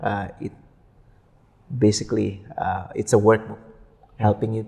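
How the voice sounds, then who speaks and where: A somewhat breathy voice at a fairly slow pace. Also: man. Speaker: career coach and author. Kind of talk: interview conversation. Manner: hesitant, many fillers.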